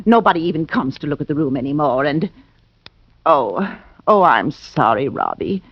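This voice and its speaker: A woman's voice: deep voice, very animated, husky, no room sound, full character voice. A woman playing a worried middle-aged housewife, in 1940s radio acting. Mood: fretful. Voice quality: emotional, quick to fret. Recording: dull old radio broadcast.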